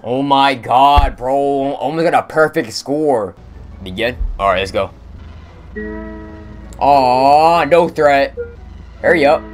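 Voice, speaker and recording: A young man casually commentating on a game stream, using slang and talking excitedly to his chat. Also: medium pitch, slow, pauses often, music in the background. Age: young adult. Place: indoor room at streaming setup.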